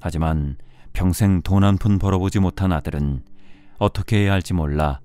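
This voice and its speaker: A man reading a storybook in a measured bedtime audiobook style, with music behind him. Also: low-pitched, dark tone, dry recording. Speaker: audiobook narrator. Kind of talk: scripted storybook narration for bedtime listening.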